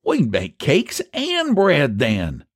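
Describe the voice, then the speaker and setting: Man doing a simple earnest rural american baker fella, voice lifted high, super lively, storybook character. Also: normal speed, gravelly, no echo, studio quality, exaggerated voice. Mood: eager. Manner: homespun, earnest. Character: gloomy but eager, gullible rural American pie baker, man.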